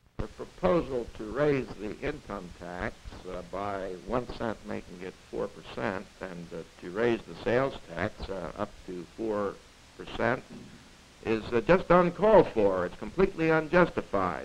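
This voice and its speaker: A man talks at a fairly slow pace in a fairly low pitch, with very wide pitch swings and big swings in loudness. Light background noise can be heard. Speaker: interviewee. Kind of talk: news statement. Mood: firm, disapproving. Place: office. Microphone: old recording.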